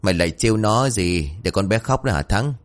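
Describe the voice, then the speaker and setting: A man's voice: fairly low pitch, expressive, a little fast, natural voice. A man voicing a frantic middle-aged village mother who scolds her son and stammers in alarm. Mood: scolding.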